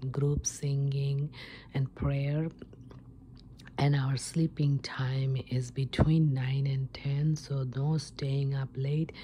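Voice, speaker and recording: Obliging wellness receptionist, played by a woman, ASMR role play: unhurried whisper, very soft dark tone. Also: a bass voice, slight background noise. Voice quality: breathy whisper. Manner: halting, unhurried explaining.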